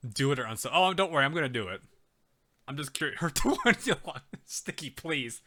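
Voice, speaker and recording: A man's voice: fairly high pitch, expressive, fairly quick, pushed and bright, no echo. A man streaming a game, chatting casually with viewers, laughing often and reading chat aloud. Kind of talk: casual let's-play commentary.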